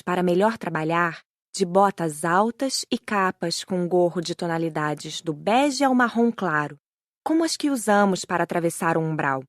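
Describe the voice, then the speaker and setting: A woman's voice: mid-range voice, no room sound, studio quality. A woman with a Brazilian accent reading a scripted first-person audiobook narration.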